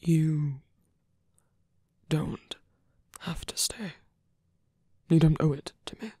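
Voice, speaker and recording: A man acting a lovestruck villain in an ASMR roleplay, flirtatious yet sincere and protective, confessing haltingly in a breathy, husky voice that often drops to a whisper. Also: on the high side, a little mellow, dry recording, clean studio sound, heavily acted. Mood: earnest, pained. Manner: halting, hesitant confession with small sighs. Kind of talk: ASMR roleplay, intimate one-sided dialogue.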